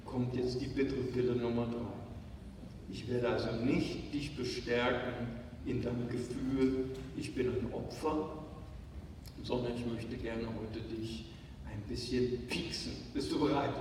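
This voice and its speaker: A man preaching a sermon as pastor, emphatic, swinging between quiet and loud. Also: medium pitch. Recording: echoey hall, distant mic, faint noise.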